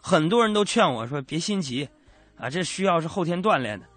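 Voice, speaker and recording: A man's voice: on the high side, animated, fairly quick, a bit bright, faint music behind. A male radio host, telling jokes in a comic monologue from a studio and laughing at his own punchlines.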